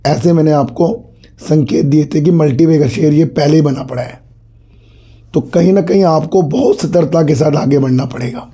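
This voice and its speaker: A hoarse man with a cold hosting his own stock market channel, chatting casually to viewers, addressing them as sir and repeating his phrases. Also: fairly high pitch, normal speed, dark tone. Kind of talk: casual market commentary to camera.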